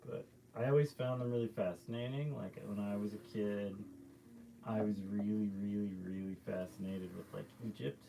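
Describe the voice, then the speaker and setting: Gravelly low-voiced man chatting in a studio. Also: fairly even intonation, normal speed, warm tone, a little hiss or hum, poor audio. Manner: rambling, loose storytelling with many fillers. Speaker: painter hosting a live stream. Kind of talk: casual chat while painting live. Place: art studio.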